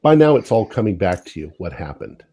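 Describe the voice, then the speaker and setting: A man narrating as game master of a tabletop horror game, hesitant and full of pauses. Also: deep voice, sing-song, dark tone, breathy edge. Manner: hesitant, many ums.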